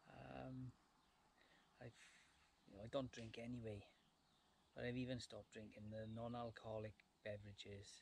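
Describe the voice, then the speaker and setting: Pausing long and often, a man of medium pitch speaks in a somewhat breathy voice with ordinary pitch variation. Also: moderate pace. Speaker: outdoor vlogger. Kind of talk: casual vlog talk to camera. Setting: outdoors in woods. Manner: quiet, lowered voice; hesitant with many fillers.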